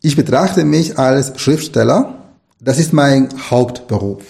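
A middle-aged man from Nicaragua, whose first language is Spanish, answers interview questions at a thoughtful, meandering pace, restarting his sentences. His voice is gravelly and dark. It sits at an ordinary pitch. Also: takes it slowly. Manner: thoughtful, rambling, many restarts and fillers. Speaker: author and language lecturer.

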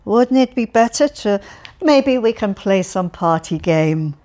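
A woman's voice: mid-range voice, expressive, a little slow, dark tone, close to an everyday voice. A woman reading an audiobook, voicing a cheerful, chatty elderly man who rambles and stumbles over his words. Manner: rambling, stumbling, relentlessly upbeat.

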